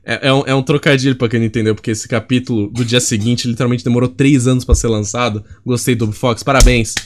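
A man's voice: mid-range voice, steady tone, fast talker, slight background noise. A man from Brazil doing let's play commentary as a gaming YouTuber, joking, chatty and profane.

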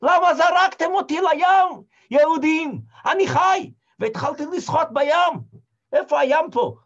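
An actor playing a shipwrecked old Hasid, telling his story in the first person and swinging from hushed murmurs to shouted cries. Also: mid-range voice, very animated. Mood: dramatic. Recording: dull lo-fi recording.

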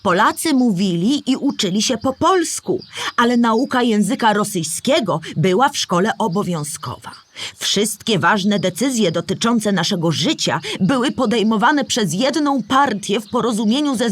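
A kindly old female animal from a children's animated radio play. The voice is husky and of middling pitch, and it patiently explains things in simple, measured storytelling words.

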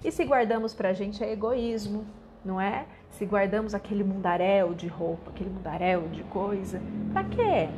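A woman giving a devotional spiritist lecture in a measured, reflective way, often ending phrases with a questioning "né?". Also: mid-range voice, animated, muffled recording, noisy background.

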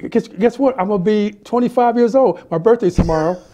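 A middle-aged man with a high, mellow voice hosts a laid-back studio talk show. He laughs a lot, stumbles and repeats himself as he chats with his guest. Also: brisk. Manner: animated, laughs often, stammers and repeats words. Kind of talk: casual interview chat. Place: small studio set with city backdrop, indoors.

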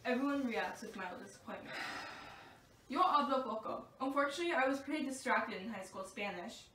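Woman reading daughter lines n stage directions, high voice, echoey, off to the side. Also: animated, a little fast, bright, forceful tone. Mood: matter-of-fact. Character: young-adult daughter introducing boyfriend, plus stage directions. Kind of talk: off-camera script reading. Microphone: off camera, away from mic. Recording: echoey room, distant mic, faint noise.

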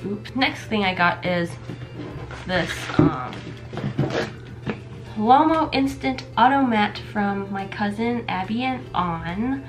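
A woman's voice: mid-range voice, expressive, slow, long pauses, loud music behind the voice, poor audio. A young woman in her twenties, sick with a stuffy nose and losing her voice, chatting casually to the camera as she shows off her gifts, with lots of fillers. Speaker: vlogger. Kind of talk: casual product unboxing vlog. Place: small bedroom with camera shelves, indoors.

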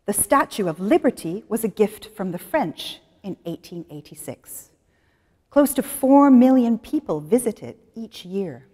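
A middle-aged woman presenting an English lesson, talking slowly and clearly as she guides students through the exercises. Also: mid-range voice, a little mellow, big-room sound. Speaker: English teacher. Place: studio in front of a plain wall.

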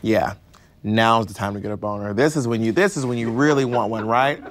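A man's voice: on the low side, brisk, a crowd in the background, natural voice. An American actor in his thirties playing a candid, sassy gay man in recovery, with a camp drag-queen delivery, telling his story at a support meeting. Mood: animated, comic. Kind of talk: naturalistic screen monologue, confessional storytelling. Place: indoor hall, group sitting in a circle.

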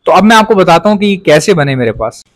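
Man, Pakistani Urdu accent, pet breeder vlogger, chatty and repetitive, high-pitched, dry sound. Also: animated, fast, no room sound. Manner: chatty, repeats points for emphasis. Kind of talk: casual explanatory vlog.

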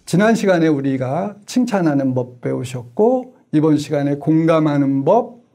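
A man's voice: a little high, animated, normal speed, mellow. A middle-aged man teaching parents in a lecture, asking them questions and acting out everyday examples. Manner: asks the audience questions and acts out examples.

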